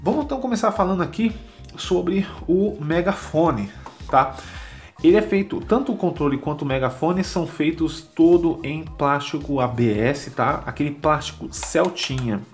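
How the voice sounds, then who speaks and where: A man's voice: a little high, moderate pace, faint music behind. A man with a Brazilian Portuguese accent giving a casual, informal product demonstration, often adding short tag questions as he goes. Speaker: product reviewer and drone vlogger.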